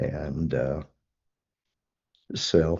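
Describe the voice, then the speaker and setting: A man's very deep, low voice carries vocal fry. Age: 70s. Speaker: software developer. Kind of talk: technical meeting discussion. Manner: halting.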